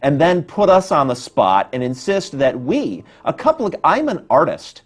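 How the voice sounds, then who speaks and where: A man co-hosts a call-in debate. His voice is on the high side and swings widely as he makes emphatic, exasperated arguments. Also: wildly swooping pitch, normal speed. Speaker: talk show co-host.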